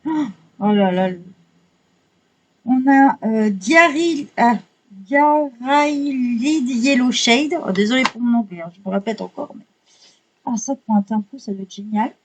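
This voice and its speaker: A woman chatting casually while unboxing art supplies, excitable, swearing lightly and apologizing often. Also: mid-range voice, normal speed, long pauses, poor audio.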